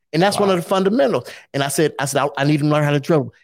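At a very fast pace, a man with an American accent talks in a fairly high pitch with ordinary pitch variation, on a very clean recording with a silent background. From Ohio (Youngstown). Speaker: church musician and podcast co-host. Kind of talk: casual chat.

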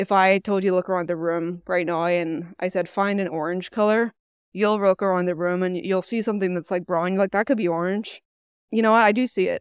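A woman with an Irish accent speaks in a medium pitch. Her pace is fairly quick. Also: fairly even intonation, dry, close sound with no echo, very clean recording, silent background. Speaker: entrepreneur and business founder. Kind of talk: interview conversation.

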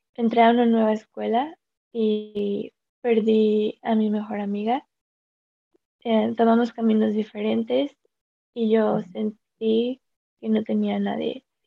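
A woman's fairly high voice with fairly even intonation at a fairly slow pace, broken by long, frequent pauses. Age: 20s. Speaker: nutrition student sharing eating disorder recovery. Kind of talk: testimony.

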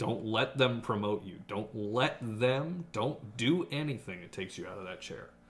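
A man speaks at a medium pitch and a moderate pace with hardly any pauses. His somewhat breathy voice has lively intonation. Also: big swings in loudness. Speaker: podcast co-host. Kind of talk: casual chat.

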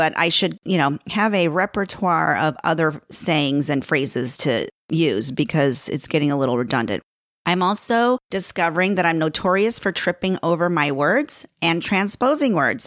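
In a very clean recording with a silent background and a dry, close sound with no echo, a woman with a fairly low pitch speaks with lively intonation and very even loudness. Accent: Chicago. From Chicago. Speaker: podcast host. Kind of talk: solo reflective monologue. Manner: casual, chatty.

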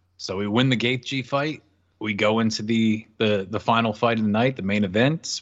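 A man speaks at medium pitch and a moderate pace in a plain, everyday voice. His intonation stays fairly even. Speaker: fantasy football podcast host. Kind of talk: casual chat. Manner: playful.

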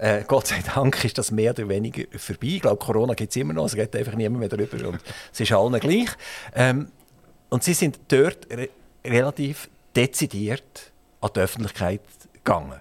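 In a very clean recording with a silent background, a man speaks at a medium pitch with long, frequent pauses. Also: moderate pace. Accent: Swiss. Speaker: radio interviewer. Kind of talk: radio interview. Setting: radio studio.

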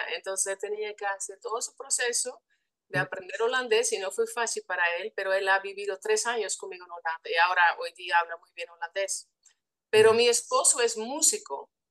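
A woman with a Dutch accent speaks at a fairly quick pace and a fairly high pitch, with ordinary pitch variation and big swings in loudness, in a dry, close sound with no echo. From Netherlands. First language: Dutch (speaking Spanish). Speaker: Dutch language teacher. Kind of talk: casual interview.

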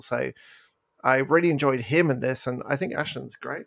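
With a British accent, a man speaks at a fairly high pitch with ordinary pitch variation. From Britain. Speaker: podcast co-host. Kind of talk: casual chat, movie review podcast. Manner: dry, sarcastic humor.

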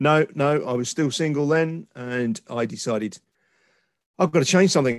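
A man with a southern English accent, fairly high pitch, ordinary pitch variation and moderate pace, in a dry, close sound with no echo. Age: 50s. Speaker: paramedic. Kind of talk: interview.

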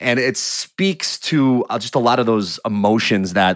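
Lively intonation marks a man's normal speaking voice at medium pitch. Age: 40s. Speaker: audio magazine show host, podcast guest. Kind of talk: casual chat.

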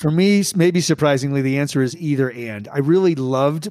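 At a moderate pace, a man with an American accent speaks in an ordinary speaking voice pitched fairly high. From Chicago, US. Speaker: audio producer. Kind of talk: casual interview chat. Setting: video call.

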